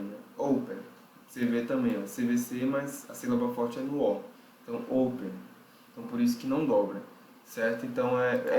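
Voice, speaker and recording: A man's voice: mid-range voice, a little mellow. A man teaching an English grammar lesson. He explains patiently and often checks in with "ok?". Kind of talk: recorded online lesson. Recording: roomy recording with faint background noise.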